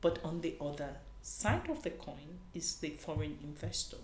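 A woman's voice: low voice, lively intonation, normal speed. A woman from Nigeria, a conference panelist, talking earnestly in an interview and often restarting her sentences. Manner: earnest, searching, frequent restarts. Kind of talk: conversational interview. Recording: echoey room with faint noise.

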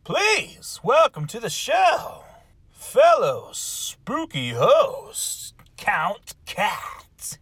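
A man voicing a vain, excitable spooky creature who hosts a comedy podcast with theatrical, jokey banter. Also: extremely high pitch, drawn-out words, breathy edge, dry recording, full character voice. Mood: campy excitement. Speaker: podcast host. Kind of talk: scripted comic banter.

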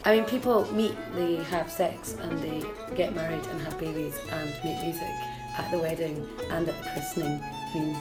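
A woman's voice: low-pitched, normal speed, hardly any pauses, poor audio. Scottish woman fiddler over music. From Scotland. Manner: frank, lively, frequent ums. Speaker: folk fiddler and singer. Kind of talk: casual interview talk.

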